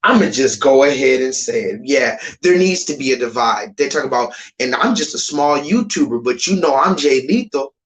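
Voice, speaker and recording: A man's voice: expressive, normal speed, hardly any pauses, poor audio. Heated, profane man ranting on a live stream. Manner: swings between loud high bursts and low mutters. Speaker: livestreamer.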